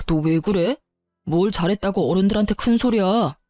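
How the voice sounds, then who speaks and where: A woman's voice: mid-range voice, moderate pace, mellow, no echo, faint music behind, close to an everyday voice. A woman voicing a defensive husband who scolds his wife. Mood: reproachful.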